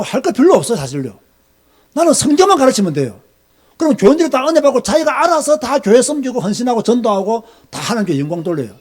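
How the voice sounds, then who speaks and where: High-voiced emphatic Gyeongsang pastor. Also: male voice, a little mellow. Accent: Gyeongsang Korean. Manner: emphatic, scolding, rhetorical questions. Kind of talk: sermon lecture.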